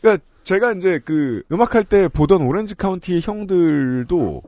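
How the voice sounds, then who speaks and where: A man's voice: sits high, moderate pace, no echo. A man hosting a podcast, giving reflective, musing advice in a casual chat. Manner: reflective, musing, lively intonation. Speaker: podcast host.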